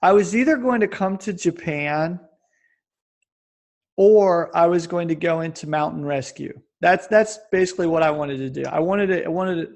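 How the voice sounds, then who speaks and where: A man's voice: a little high, normal speed, creaky. A man in his forties from Kansas, chatting as a podcast guest in a loose, rambling way. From Kansas, USA. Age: 40s. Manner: rambling, self-described babbling. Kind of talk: casual conversation.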